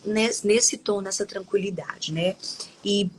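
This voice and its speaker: A woman's voice: medium pitch, slow, slight background noise, poor audio. A woman hosting a Christian live stream, talking conversationally and reading scripture, often tagging her sentences with questions. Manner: conversational, with frequent tag questions and restarts. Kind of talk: devotional talk and scripture reading.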